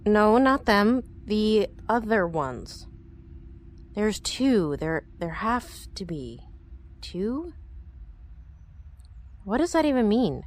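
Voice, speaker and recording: A woman's voice: mid-range voice, big pitch swings, extremely slow, pauses often. An actress playing a troubled, guarded woman with no memory who senses danger, in an audio drama. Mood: questioning, insistent. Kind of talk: audio drama acting with first-person narration.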